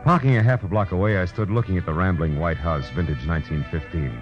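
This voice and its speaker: An actor playing a wry, hard-boiled private detective in a 1940s radio drama, dry, laconic and unflappable. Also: male voice, deep voice, quick pace, lightly acted. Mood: dry narration. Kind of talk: 1940s radio acting, noir first-person narration and dialogue. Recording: dull old radio recording with music.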